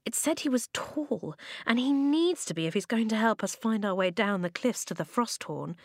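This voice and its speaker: A woman's voice: a little high, animated, normal speed, no echo, studio quality, pitched above the performer's own voice. A woman voicing an earnest, practical young boy inventor.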